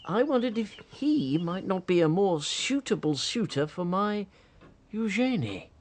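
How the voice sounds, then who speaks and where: An actor playing a fawning, greedy banker baron in a radio drama, flustered and hesitant. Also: male voice, high-pitched, sing-song, a little slow, exaggerated voice.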